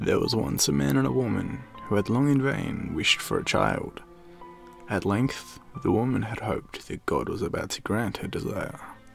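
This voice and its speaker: Music plays behind a man talking at a fairly low pitch. His pitch swings very widely. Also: moderate pace. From Australia. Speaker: ASMR storyteller. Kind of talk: fairy tale reading.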